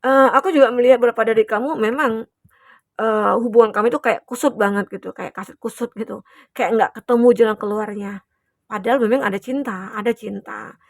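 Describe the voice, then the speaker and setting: A woman's voice: a little high, fairly even intonation, fast talker, dry recording, studio quality. A young adult woman giving a chatty, reassuring collective tarot reading to her viewers, with many fillers. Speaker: tarot reader.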